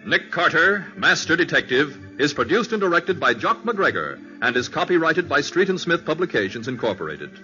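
A man's voice: on the high side, sing-song, normal speed, hardly any pauses. A man announcing and narrating a 1940s radio drama in scripted style. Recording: dull old radio recording, faint music.

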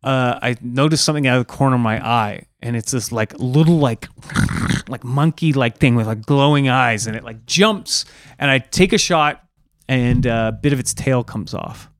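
Male podcast storyteller, mid-pitched, rambling, dry close sound. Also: moderate pace, no echo. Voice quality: rambling, full of fillers. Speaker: podcast co-host.

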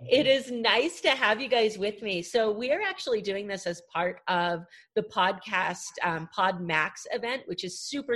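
A woman's voice: mid-range voice, a bit bright, husky. A woman hosting a podcast interview, asking friendly, chatty questions with some fillers. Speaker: podcast host. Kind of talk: casual interview chat.

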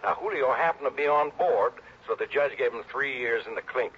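A hesitant businessman explains things on the phone in a husky, mid-range voice. The sound is a dull, lo-fi 1960s radio broadcast. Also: mid-range voice, fairly quick. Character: businessman calling a detective on the phone. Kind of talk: 1960s radio drama acting.

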